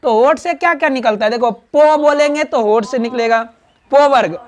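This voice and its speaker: Speaking in a very high voice at a normal speed, this Bihari Hindi-accented man runs a grammar lesson for a class. He keeps quizzing students back and forth, checking in with them all the time and repeatedly asking "right?".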